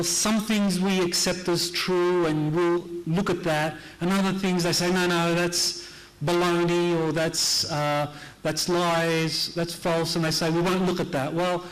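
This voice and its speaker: A man's voice: high voice, low-quality recording. A middle-aged man from Hawaii giving a conference lecture in an earnest manner, repeating key phrases for emphasis. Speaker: conference speaker. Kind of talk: lecture presentation.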